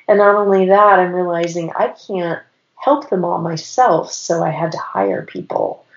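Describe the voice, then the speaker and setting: A woman in her forties chats as a podcast guest, her voice a little raspy from a cold. She runs her sentences together with "and" as she talks, pitched on the low side. The sound is roomy and somewhat muffled. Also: a little mellow. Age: 40s. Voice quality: slightly raspy. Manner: rambling, stacks clauses with "and". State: has a cold. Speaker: podcast guest, business owner. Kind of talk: casual interview storytelling.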